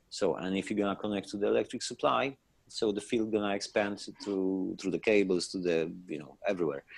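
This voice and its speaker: A man with a non-native accent speaks at a fairly quick pace. His pitch is fairly low, with ordinary variation. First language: not English. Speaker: experimenter. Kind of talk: technical explanation in group video chat. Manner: halting.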